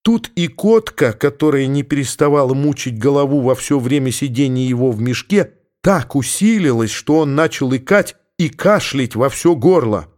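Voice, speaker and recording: A male audiobook narrator reading classic prose. He tells the story expressively, in a voice of ordinary middle pitch. The delivery is measured and vivid. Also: animated, a little mellow.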